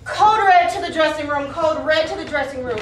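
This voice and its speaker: A woman's voice: high-pitched, fairly quick, natural voice. A woman acting on stage as an exasperated, sarcastic boss figure reasoning with a deluded performer in a comedy play. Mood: fed up. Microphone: far camera. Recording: very echoey theatre, distant, faint noise.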